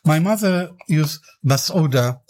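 An older man from Iraq, an author giving reflective interview answers in a measured, deliberate way and building his points into emphatic lists. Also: fairly high pitch, animated, a little mellow.

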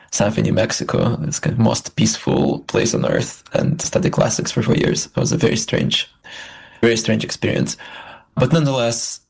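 A young man from Belarus, a guest speaking in a measured, thoughtful way with pauses, in an interview. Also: mid-range voice, vocal fry, husky. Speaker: guest, student project founder. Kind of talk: reflective interview talk.

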